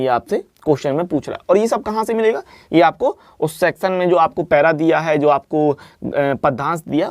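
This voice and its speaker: A man's voice: high voice, no room sound, clean studio sound. A man teaching an exam-prep lesson, explaining answers step by step and often checking in with the listener. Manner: explanatory, repeats "ठीक है ना" often.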